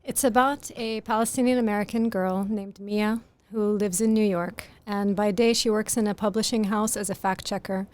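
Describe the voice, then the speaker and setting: Soft-spoken woman author, podcast guest, earnest and articulate, mid pitch. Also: fairly even intonation, normal speed, hardly any pauses, no room sound. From grew up in Greece. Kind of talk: podcast interview.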